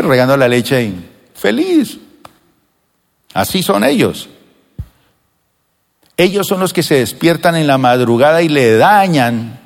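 Older preacher with lively, swooping delivery. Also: male voice, on the high side. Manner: animated preaching, acts out children's voices. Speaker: pastor. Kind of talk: sermon. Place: church sanctuary. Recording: long reverb of a church hall.

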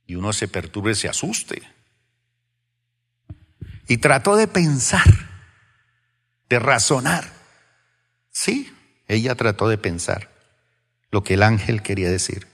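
A pastor preaching to his congregation, dramatic and questioning, going from loud exclamations to hushed whispers. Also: fairly low pitch, big pitch swings, takes it slowly, vocal fry, pauses often, long reverb tail. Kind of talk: sermon. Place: church.

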